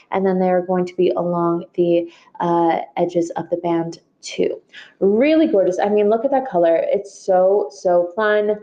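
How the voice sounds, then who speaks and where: A young woman hosting a live jewelry shopping stream, chatty and gushing, with many fillers as she talks. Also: on the low side. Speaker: shopping livestream host.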